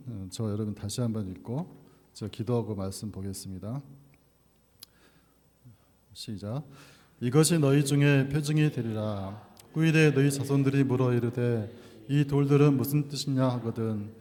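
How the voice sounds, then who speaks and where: Guy preaching a sermon at church, mid pitched voice, big echoey hall w long reverb. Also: dark tone. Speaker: pastor preaching at a church service. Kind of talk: sermon with scripture reading and prayer. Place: church hall, speaking from the pulpit.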